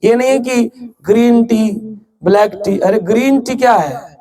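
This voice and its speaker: A man with a very high voice gives a devotional lecture. He jokes, asks his listeners questions and acts out little scenes in story voices. The live recording has a crowd that laughs along. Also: measured pace. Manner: humorous, with questions to the audience. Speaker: ISKCON preacher. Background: audience laughing.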